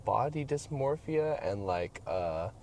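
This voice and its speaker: A man's voice: medium pitch, lively intonation, slow pace, darkish tone. A man speaking as a podcast guest in a moving car, casual and sweary, with hesitant, trailing phrases. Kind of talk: casual chat. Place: inside a car being driven. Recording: faint car and road noise. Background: car ambience and faint road noise.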